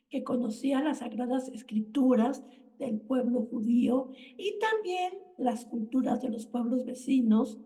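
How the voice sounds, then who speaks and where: Earnest woman hosting radio, higher voice. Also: dark tone, recorded from a distance. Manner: earnest, lecturing. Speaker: radio host. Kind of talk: reflective spiritual radio talk.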